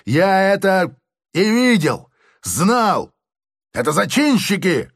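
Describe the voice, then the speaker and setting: A man voicing a shrieking, enraged prison major who barks short, drawn-out commands in a squealing voice. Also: wildly swooping pitch, breathy edge, dry recording, studio quality, exaggerated voice. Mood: shouting, hasty. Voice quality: shrill, squealing shouts.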